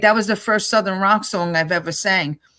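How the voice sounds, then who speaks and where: A woman with a New Jersey accent speaks at a medium pitch, her tone bright and sharp and her pitch variation ordinary. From New Jersey, US. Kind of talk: casual interview chat. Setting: live online show.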